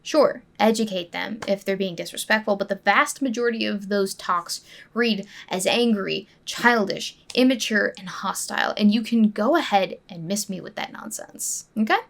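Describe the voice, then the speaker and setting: A woman host delivers scripted commentary at a middle pitch. She stays measured and deliberate, and slips in wry, sarcastic asides. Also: vocal fry.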